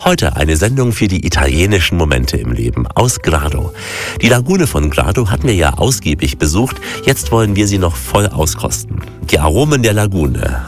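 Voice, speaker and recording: A man's voice: low-pitched, big pitch swings, normal speed. A man narrating a radio travel feature in a playful, scripted way over a music bed. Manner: playful rhyming delivery. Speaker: radio travel show host.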